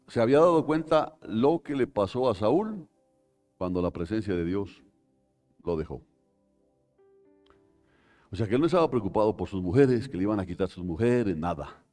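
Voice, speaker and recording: A man's voice: on the low side, darkish tone. A man with a Colombian accent preaching a live sermon in church, retelling a scripture story dramatically, full of rhetorical questions. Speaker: pastor.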